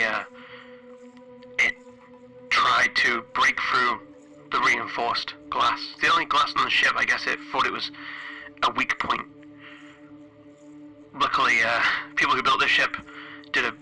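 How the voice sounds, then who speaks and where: Stranded male ship's engineer, played by a man: weary, frightened, halting log delivery, very sharp flat-pitched voice, faint music behind. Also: rough recording. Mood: weary, matter-of-fact. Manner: hesitant, halting, broken phrasing. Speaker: solo role-playing game player. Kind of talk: halting in-character audio log.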